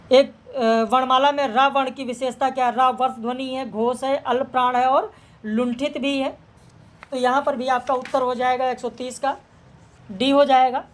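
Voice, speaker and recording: Brisk female exam tutor, high voice, even and level, reading out questions and answers. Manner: brisk, steady, matter-of-fact answer checking. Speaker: teacher.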